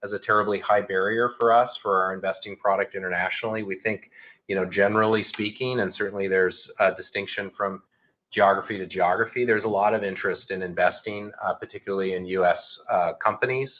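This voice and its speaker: A man speaking as a company executive, answering questions on an earnings call in measured, hesitant, unscripted corporate talk. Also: lowish voice, fairly even intonation. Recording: narrow tinny phone-line audio.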